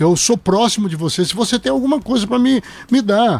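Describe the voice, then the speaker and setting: There's music in the background. Over it, a man talks with lively intonation. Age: 60s. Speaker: pastor. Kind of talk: radio interview.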